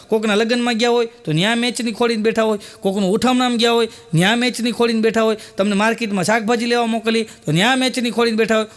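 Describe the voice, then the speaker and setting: A man's voice: very high-pitched, a bit bright. A man doing stand-up, piling up repeated phrases toward a punchline. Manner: rapid rhythmic repetition building to a punchline. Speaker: stand-up comedian. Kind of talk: live stand-up storytelling.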